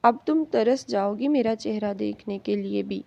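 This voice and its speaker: A woman's voice: mid-range voice, vocal fry, dark tone, dry recording, highs cut off, lightly acted. A woman reader voicing a possessive, angry young male professor who scolds and threatens his wife. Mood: threatening. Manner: harsh, commanding, threatening.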